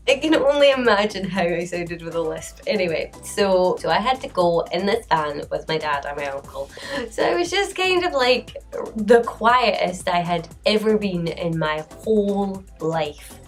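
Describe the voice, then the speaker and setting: A woman's voice: on the low side, expressive, unhurried, faint music behind. A woman in her late twenties telling a storytime vlog in a chatty way, often breaking into laughter. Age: late 20s. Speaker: vlogger.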